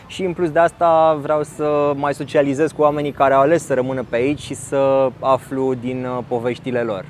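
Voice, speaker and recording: A man reports from outdoors at an event in a relaxed, easygoing way. He hesitates often and fills gaps with short pauses, like a casual vlogger. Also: medium pitch. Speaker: journalist presenting a video report.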